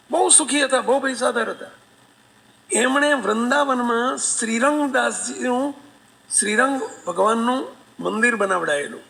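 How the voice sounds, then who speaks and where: A man telling a devotional story as a sermon, animated, acting out voices and asking listeners questions. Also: very high-pitched, gravelly, rough recording. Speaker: religious storyteller.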